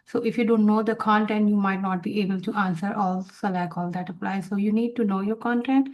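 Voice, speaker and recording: A woman with a South Asian accent and native Urdu gives an informal exam review lecture in a halting, repetitive, encouraging way. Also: mid-range voice, fairly even intonation, highs cut off. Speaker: exam review instructor for nursing students. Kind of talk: informal lecture, explaining tips.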